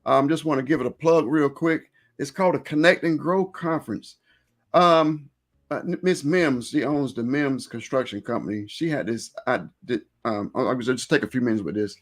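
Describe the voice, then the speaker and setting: A man's voice: medium pitch, moderate pace. A man hosting a live stream, chatting informally and rambling a little as he repeats and reworks his phrases. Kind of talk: casual interview chat with event plugs.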